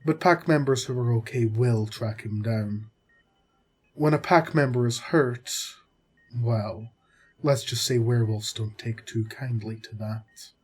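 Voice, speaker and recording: A man acting as a caring, exasperated centuries-old doctor in an audio roleplay, with a husky voice and measured bedside manner. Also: medium pitch, a little mellow. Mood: grave, measured. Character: long-lived vampire doctor, male, caring yet exasperated. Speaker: voice actor. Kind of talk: audio roleplay drama, spoken to the listener.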